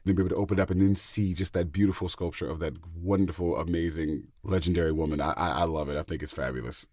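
A man's voice: deep voice, steady tone, fast, a little mellow, no room sound, studio quality. A man co-hosting, gushing in a laid-back way about figures. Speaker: co-host. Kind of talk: casual show chat.

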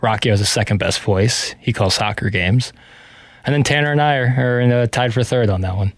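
A man working as a radio producer, talking casually and wryly in a flat, self-described monotone. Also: mid-range voice, fairly quick, dry recording. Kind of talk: casual sports radio banter.

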